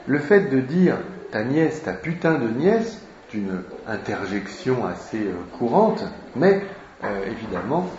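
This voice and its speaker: Brief: male teacher explaining a novel slowly, thinking aloud, in a roomy, muffled recording. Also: fairly low pitch, a little mellow, a little hiss or hum. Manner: slow and deliberate, with frequent hesitations. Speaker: literature teacher.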